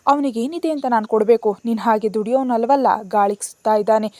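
A woman voicing a sarcastic middle-aged aunt who scolds loudly in a storybook reading. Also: a little high, normal speed, natural voice. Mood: scornful. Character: sharp-tongued middle-aged aunt, scornful and loud.

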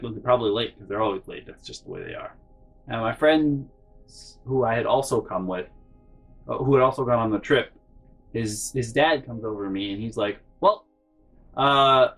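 A young man talks through an old hurt in a storytime monologue. He sounds bitter and emotional and swears freely, and his voice jumps high when he is upset. Faint music plays underneath. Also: fairly bright tone. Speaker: channel host. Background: faint background music.

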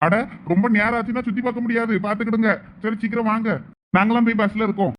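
A man playing a brisk, high-voiced tour organiser. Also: little pitch movement, a little hiss or hum, natural voice. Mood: hurried. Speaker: tour group organiser in a village comedy skit.

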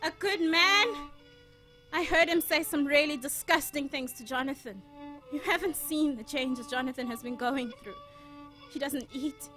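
A woman's voice: sits high, moderate pace, pushed and bright, faint music behind, rough recording. A woman playing a troubled, protective young elder sister in an audio drama, earnest, hesitant but determined. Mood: indignant.

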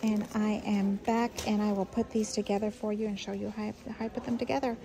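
A woman's voice: medium pitch, flat delivery, brisk, vocal fry. A woman host casually walking through her scrapbook pages detail by detail, filmed on a handheld phone at a busy craft retreat in a large hall. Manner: chatty, friendly, walking through each detail. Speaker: paper craft channel host. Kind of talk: casual craft show-and-tell vlog. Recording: busy crowded hall chatter.

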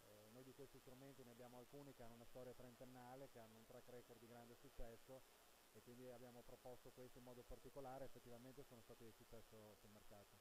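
Middle-aged male executive, measured and businesslike, handheld mic at a noisy trade fair with hiss. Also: mid-range voice, flat delivery. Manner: measured, businesslike, with frequent fillers. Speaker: sales director of an asset manager. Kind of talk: trade-fair interview answers. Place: busy trade-fair stand indoors. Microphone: handheld interviewer mic held close. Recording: audible hiss and background noise.

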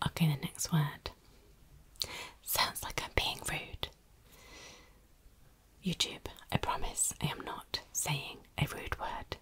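A woman with a Yorkshire accent speaks almost entirely in a breathy whisper, her voice sitting low. She repeats words slowly and gently, one after another, in a calm ASMR manner. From Yorkshire, England. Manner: soft repetitive whispering of single words.

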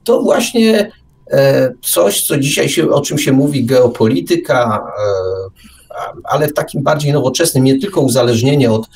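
A man's voice: medium pitch, lively intonation, moderate pace, vocal fry, darkish tone, recorded from a distance, a little hiss or hum. A man hosting a live radio talk, musing discursively, repeating and rephrasing himself and posing rhetorical questions. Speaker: radio show host. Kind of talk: casual live talk, reflective monologue.

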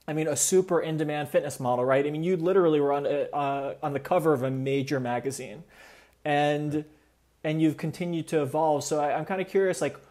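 A man's voice: a little high, darkish tone. A man in his thirties hosting an interview over a video call, chatty and eager, with earbuds. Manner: eager, chatty, many fillers. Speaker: host. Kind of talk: casual interview talk. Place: indoor room. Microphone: wired earbuds on a video call.

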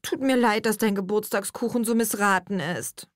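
A woman reading an audiobook, voicing a bubbly, excitable young woman friend in a chirpy, gushing way. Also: medium pitch, moderate pace, dry recording, clean studio sound, voice pushed up, natural voice.

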